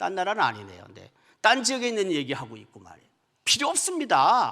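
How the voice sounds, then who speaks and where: A man speaks in an animated, raised and projected voice, high-pitched with very wide pitch swings, a bright, sharp tone and a fairly quick pace. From Seoul. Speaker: pastor. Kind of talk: sermon. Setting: church.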